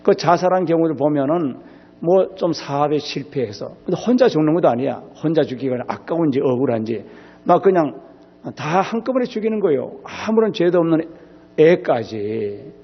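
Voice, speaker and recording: A man preaching a revival sermon as pastor, emphatic, swinging between loud exclamations and soft low asides. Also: expressive, moderate pace, slightly rough, big-room sound, muffled recording. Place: church sanctuary.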